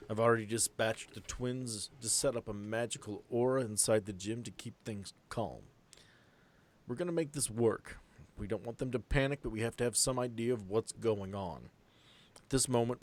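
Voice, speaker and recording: A man's voice: on the low side, close to an everyday voice. A man voicing a stern male commander in a tabletop game, giving formal, authoritative orders. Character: stern male commander briefing his squad.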